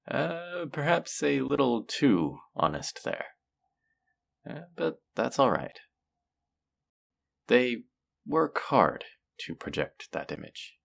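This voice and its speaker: Male actor as feared supervillain, gravelly, swooping intonation, businesslike, dry amusement, condescending, audio roleplay. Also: medium pitch, heavily acted. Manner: theatrical, dry, politely condescending, drawn-out pauses. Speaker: supervillain interviewing a job applicant. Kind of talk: audio roleplay acting, addressing the listener.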